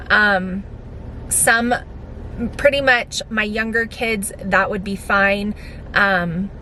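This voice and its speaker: A middle-aged American woman talking in a casual, chatty vlog style, explaining things conversationally. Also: fairly bright tone. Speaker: vlogger and homeschooling mother. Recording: clearly noisy, vehicle rumble.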